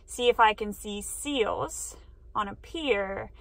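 A woman's voice: mid-range voice, takes it slowly, gravelly, no echo. A woman in her thirties casually narrating a travel vlog, chatty and upbeat, recorded on a close camera in a minivan and outdoors. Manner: chatty, upbeat, sometimes whispering softly. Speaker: travel vlogger.

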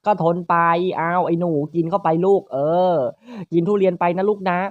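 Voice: fairly even intonation, no room sound, phone-quality sound. Crude, teasing game commentator. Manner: crude, teasing, rapid banter with frequent high laughs. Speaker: gaming channel host. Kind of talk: playful let's-play commentary.

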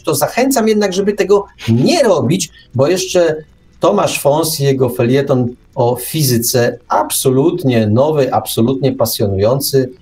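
Male host, medium pitch, informal radio talk with repeated phrases. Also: a little mellow, slight background noise. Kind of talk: casual radio sign-off chat.

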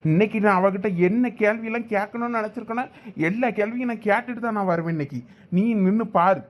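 A man's voice: high voice, quick pace, close to an everyday voice. A man playing a defiant village husband. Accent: Thoothukudi Tamil. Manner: defiant, insistent.

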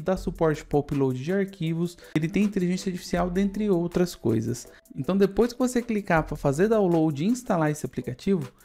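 A Brazilian-accented man presents a casual software walkthrough in a mellow, dark-toned voice. He is on a USB microphone, with music underneath. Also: sits high. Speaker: tutorial presenter. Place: studio indoors.

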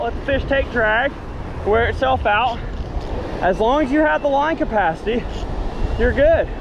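A man hosting a fishing vlog, chatting casually and excitedly while casting and fighting fish from the surf. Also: very high-pitched, highs cut off. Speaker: fishing channel host. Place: sandy ocean beach outdoors at sunrise. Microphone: chest-mounted action camera. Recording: outdoor action cam with surf noise. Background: surf and waves.

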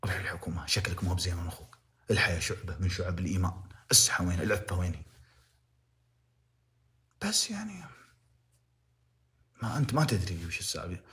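Fast-talking Saudi man lecturing passionately. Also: deep voice, a bit bright. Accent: Saudi Arabic. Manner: impassioned moralizing, repeats phrases for emphasis. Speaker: livestreamer. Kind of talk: casual livestream commentary.

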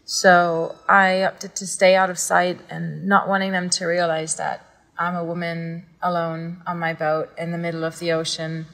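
A woman narrating a voice-over for her sailing vlog in a calm, reflective way. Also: on the low side, moderate pace. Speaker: vlogger narrating.

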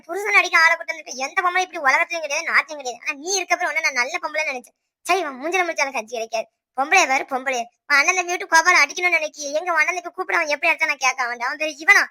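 A very high, bright cartoon voice of a village mother-in-law, with a Tirunelveli Tamil accent. She fires off scolding lines at breakneck speed, sharp and relentless. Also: full character voice. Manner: sharp, scolding, rapid-fire. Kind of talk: cartoon voice acting.

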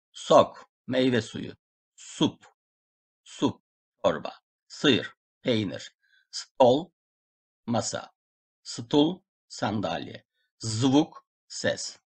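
A man's voice: fairly low pitch, breathy edge. A man with a Turkish accent teaching a beginner language lesson, patiently repeating each syllable and word so learners can follow. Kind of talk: slow lesson drilling syllables.

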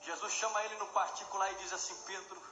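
A pastor with a strikingly high, ringing voice, preaching with fervour and breaking into shouts. His voice echoes around a church hall. Worship music plays clearly beneath him. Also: fairly even intonation, quick pace. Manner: fervent, swells into shouting. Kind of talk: impassioned sermon.

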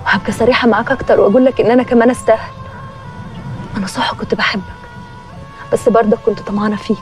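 A woman's voice: fairly high pitch, steady tone, very fast, faint music behind, close to an everyday voice. An actress playing a frank woman pressing her lover for marriage, speaking with an Egyptian accent in a TV drama. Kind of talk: TV drama acting.

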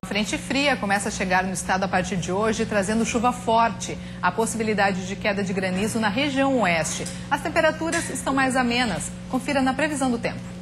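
A woman's voice: on the high side, fairly quick, hardly any pauses, over music. Woman reading the regional news. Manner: even, scripted delivery. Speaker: news anchor. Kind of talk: news presenting. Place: TV news studio. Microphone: lapel mic.

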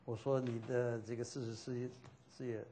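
A man's voice: mid-range voice, level tone, normal speed, warm tone, slight background noise. A man teaching a Christian class, speaking in a loose, repetitive way and dropping in English fillers like "OK".

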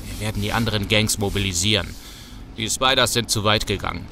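An actor playing a resolute young street gang leader in an audio drama, speaking with urgent command. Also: male voice, lowish voice, brisk, gravelly, noisy background. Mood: grim, determined. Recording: music under the voice.

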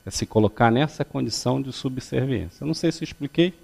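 A man's voice: mid-range voice, fast, vocal fry, darkish tone. An older man standing in a lecture hall giving a public religious talk, teaching step by step and often checking that the audience follows. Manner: didactic, ends phrases with checking questions; stands and gestures while speaking. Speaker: lecturer at a spiritist center.

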